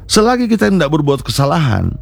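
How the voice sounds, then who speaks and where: A film director, answering interview questions in an earnest, encouraging way, often pausing on fillers and restarting words. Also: male voice, on the high side, wildly swooping pitch, vocal fry.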